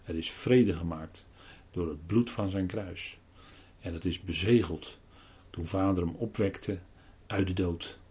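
An older man giving a halting Bible talk, full of pauses and restarts. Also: sits low, a little mellow, breathy edge, lo-fi sound. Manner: halting, many fillers and restarts. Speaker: preacher.

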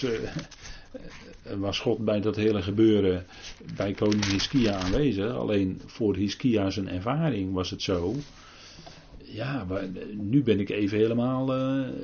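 An older man giving a halting Bible talk, full of pauses and restarts. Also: lowish voice, vocal fry, a little mellow, lo-fi sound, slight background noise. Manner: halting, many fillers and restarts. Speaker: preacher.

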